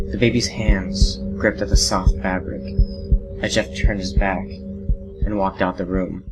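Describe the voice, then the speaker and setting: Deep male horror narrator. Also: rough recording. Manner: brooding, with dramatic pauses. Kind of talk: dramatic scripted horror narration. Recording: loud music bed under voice. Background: loud music.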